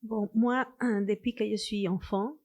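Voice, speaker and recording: A woman speaking as a podcast guest, sharing personal testimony conversationally, halting and rephrasing now and then. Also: mid-range voice, steady tone, darkish tone. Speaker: podcast guest, church member.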